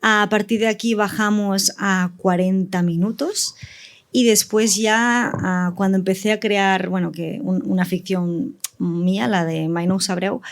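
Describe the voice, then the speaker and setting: A woman with an accent from Spain, talking casually as a writer in a panel discussion. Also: mid-range voice. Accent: Spanish from Spain. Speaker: audio fiction writer, panelist.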